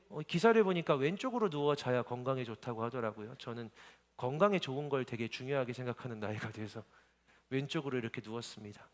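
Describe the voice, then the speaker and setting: A man in his thirties, a pastor preaching a sermon in a church hall, moving from quiet storytelling into impassioned pleading cries. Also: medium pitch.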